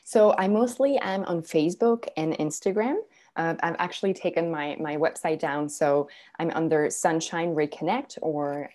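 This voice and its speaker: A woman's voice: low voice, mellow. A woman from Serbia, a parenting coach, talking earnestly as a guest, with many fillers and restarts. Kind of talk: casual interview talk.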